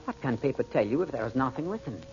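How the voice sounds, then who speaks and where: A man's voice: mid-range voice, expressive, darkish tone, faint music behind, close to an everyday voice. Man acting solemn, swooping Arab desert servant, muffled. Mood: awed, doubtful. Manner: formal, halting foreign phrasing, dramatic swoops. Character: Abdallah, solemn, superstitious adult male desert Arab servant. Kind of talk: radio adventure serial acting. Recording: very muffled old radio serial recording.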